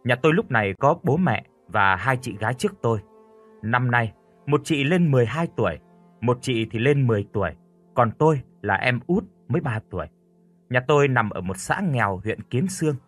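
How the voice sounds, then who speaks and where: A man narrating a scripted first-person horror story in an expressive storytelling voice. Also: mid-range voice, moderate pace, faint music behind.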